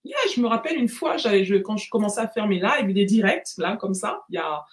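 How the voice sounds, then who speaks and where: Lively French woman coaching on a live stream. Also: medium pitch, brisk. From France. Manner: lively, repeats words, mixes in English phrases. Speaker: life coach. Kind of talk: live-stream motivational talk.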